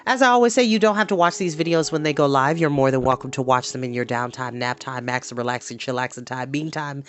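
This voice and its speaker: A man hosting a storytime, chatty and animated, moving between casual talk and story reading. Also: medium pitch, quick pace. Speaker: storytime host and reader. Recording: music playing in the background.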